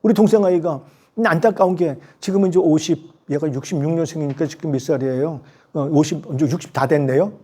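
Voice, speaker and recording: Older male professor in his sixties; chatty lecturer, husky and mellow, higher-pitched. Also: quick pace. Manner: chatty storytelling, rhetorical questions. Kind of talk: university lecture.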